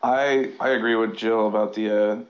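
A man's voice: fairly low pitch, steady tone, moderate pace. A male caller on a phone line, speaking casually and hesitantly with many fillers.

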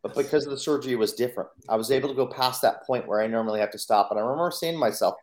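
Male podcast guest, middle pitch, earnest personal storytelling with acted-out inner thoughts. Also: racing, darkish tone. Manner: earnest, acts out his own inner voice in quotes.

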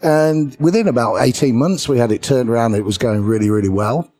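Husky-voiced Englishman telling stories. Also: mid-range voice, fairly quick. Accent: British English. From England. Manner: lively raconteur who chuckles between lines. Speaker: podcast guest. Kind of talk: anecdotal storytelling in an interview.

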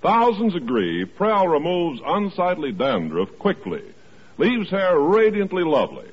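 A man's voice: high-pitched, huge pitch swings, measured pace, slightly rough. A man announcing and reading advertising copy in a 1940s radio style. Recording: muffled 1940s radio recording.

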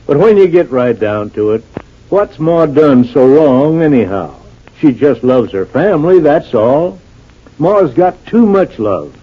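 A man's voice: a little high, full character voice. An actor playing a folksy rural man who muses aloud to himself in a drawling country dialect, in old radio-drama style. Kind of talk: 1940s radio acting. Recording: dull old radio transcription.

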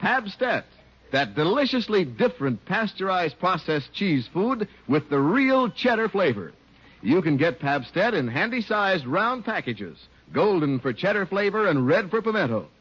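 A male announcer delivering a 1950s radio commercial in a smooth, selling tone. His voice is high and breathy, with lively pitch. The sound is muffled, like an old radio broadcast. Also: normal speed. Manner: smooth, salesy.

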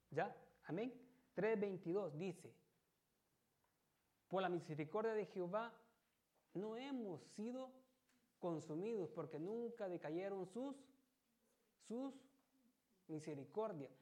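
Man, church sermon, chatty, mellow dark voice. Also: high voice. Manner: conversational, constantly checks with listeners. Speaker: lay preacher.

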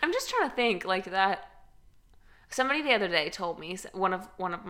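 A woman's voice: medium pitch, big pitch swings, brisk, a bit bright. A woman in her twenties with an American accent, chatting casually on a podcast with lots of fillers and easy laughter. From United States. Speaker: podcast co-host. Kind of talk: casual chat.

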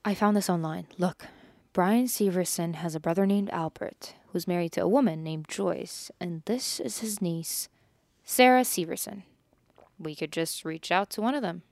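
A woman's voice: on the low side, normal speed, vocal fry, a little mellow, no room sound, studio quality. A young woman in a scripted audio drama, earnest and curious, a little defensive.

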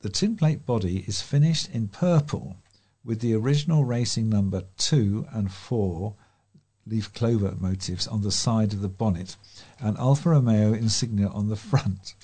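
This is a British man with a fairly low voice and a very soft, mellow tone. He reads scripted local news and letters as a volunteer newsreader. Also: normal speed, slightly rough. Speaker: volunteer newsreader for a talking newspaper.

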